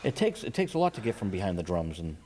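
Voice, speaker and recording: A man's voice: deep voice, very animated, fast, a little mellow, a little hiss or hum. A man hosting a casual, conversational interview and chatting with his guest. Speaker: interviewer, host.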